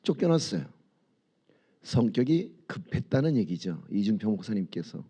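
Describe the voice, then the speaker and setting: A man's voice: fairly low pitch, very animated, moderate pace, dark tone, husky, lo-fi sound. A male pastor preaching a dawn sermon in a church, telling stories conversationally and asking the congregation rhetorical questions. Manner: leads congregation in reading and prayer. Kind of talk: sermon at a dawn prayer service. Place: church sanctuary.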